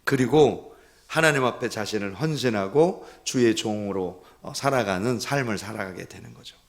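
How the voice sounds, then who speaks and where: A man, a pastor, preaching a sermon to his congregation. He moves from quiet storytelling to loud, impassioned pleading and speaks to the listeners directly. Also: on the low side, moderate pace. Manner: earnest, addresses the congregation directly.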